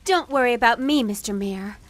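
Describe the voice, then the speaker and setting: Woman playing a high, sassy girl reporter. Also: a little fast, no echo, natural voice. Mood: defiant, sassy. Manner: sassy, defiant. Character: plucky, wisecracking female newspaper reporter. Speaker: voice actor. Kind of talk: comedic old-time radio drama acting.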